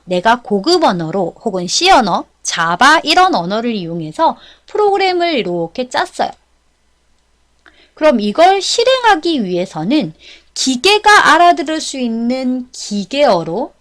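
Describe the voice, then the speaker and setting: A woman instructor giving a step-by-step explanatory lecture, checking in with listeners through short questions. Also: sits high. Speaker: instructor of a certification exam course.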